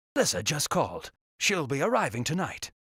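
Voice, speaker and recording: A man growls through a put-on character voice, fairly high in pitch, with very wide pitch swings at a fairly quick pace. The recording is very clean, with a silent background. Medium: video game. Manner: calm.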